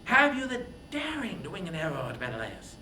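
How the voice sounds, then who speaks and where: Casting: a reader as scheming war goddess, seductive and urgent, very lively pitch, epic storytelling in a roomy space. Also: fairly quick, noisy background. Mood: tempting, urging. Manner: tempting, urgent, dramatic. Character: Athena, cunning seductive warrior goddess disguised as spearman.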